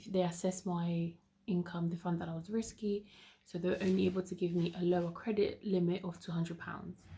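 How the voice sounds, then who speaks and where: A soft-spoken woman talks at a fairly quick pace, with a fairly low pitch and monotone, flat intonation. Her voice is somewhat breathy, with a dark, mellow tone. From UK, Zambian heritage. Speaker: finance vlogger. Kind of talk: casual vlog.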